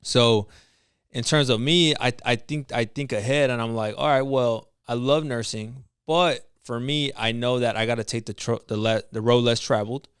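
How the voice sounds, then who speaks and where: A man's voice: medium pitch, steady tone, normal speed, clear, resonant tone, no room sound, studio quality. A young man with a Latino American English accent, a nurse turned entrepreneur, talking in a casual podcast chat in an earnest, motivational way. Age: young adult. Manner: earnest, motivational, with slang and restarts.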